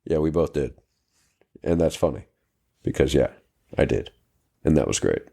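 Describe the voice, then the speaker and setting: A man's voice: rumbling low, normal speed, gravelly. A man co-hosting a podcast, chatting casually about films and acting out lines. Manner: animated, acts out film lines in funny voices. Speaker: podcast co-host. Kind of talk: casual chat.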